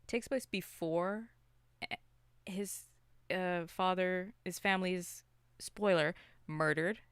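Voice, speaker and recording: Podcast co-host, smooth clear voice, close dry sound, mid-range pitch, loose rambling film chat. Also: fairly even intonation, slow pace, a bit bright, dry recording. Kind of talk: casual unscripted film discussion.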